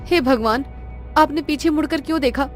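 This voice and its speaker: Woman playing an alarmed village wife, cartoon, fast, higher voice, scolding. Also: close to an everyday voice. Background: background music.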